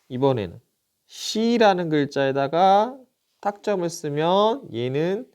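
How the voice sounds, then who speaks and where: Man, middle-aged, teacher, recorded lesson, slow pace, clear smooth voice, patient, repeats syllables. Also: mid-range voice, darkish tone. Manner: patient, asks questions then answers them himself. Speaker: Japanese teacher.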